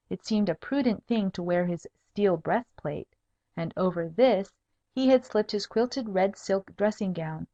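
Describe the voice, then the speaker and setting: Lady reading an audiobook story, medium pitch, kinda muffled lo-fi sound. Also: warm tone. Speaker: audiobook narrator. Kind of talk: scripted narration of a humorous tale. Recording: dull lo-fi audiobook recording.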